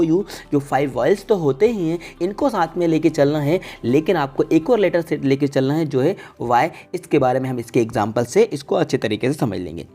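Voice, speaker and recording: A man's voice: a little high, dark tone. A man teaching a video lesson, patiently repeating each point and calling his listeners "guys". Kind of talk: classroom-style video lesson.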